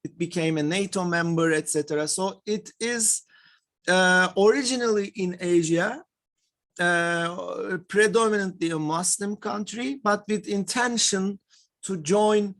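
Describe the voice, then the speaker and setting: A man's voice: sits high, measured pace, fairly bright tone. Hesitant man presenting. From Turkey. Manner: hesitant, many fillers and repeated words. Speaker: academic panelist. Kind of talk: conference presentation.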